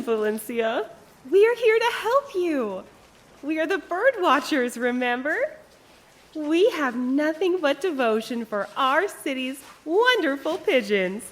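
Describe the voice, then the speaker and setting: A woman's voice: high voice, heavily acted. A woman playing a sly cult acolyte in an audio drama, theatrical and condescending with a mock-sweet manner. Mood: gleeful, mock-sweet. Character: sly, syrupy female cult acolyte, falsely devoted.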